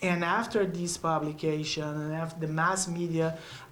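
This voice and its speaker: In a room with audible echo, a man talks at a moderate pace with fairly high pitch and fairly even intonation. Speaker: university lecturer. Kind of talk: lecture.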